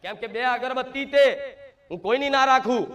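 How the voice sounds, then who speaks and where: The recording sounds dull, capturing a man with a very high, fairly bright voice at a moderate pace. Speaking as the goddess through a spiritual medium's role, he delivers a devotional sermon as a divine mother, addressing devotees head-on, emphatically, with rhetorical questions throughout.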